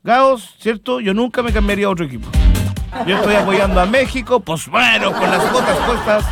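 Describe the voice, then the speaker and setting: A man hosting radio with a fairly high voice, bantering in a playful, jokey way and breaking into a sing-song lilt. Music plays clearly behind him in the studio. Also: a little fast. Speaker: radio host.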